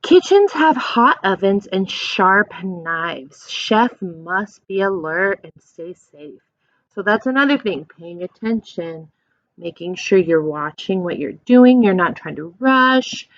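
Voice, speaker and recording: Taking it slowly in a mid-range voice, a woman teacher does a children's read-aloud, posing simple questions and adding lively, encouraging asides. The sound is lo-fi but has no echo.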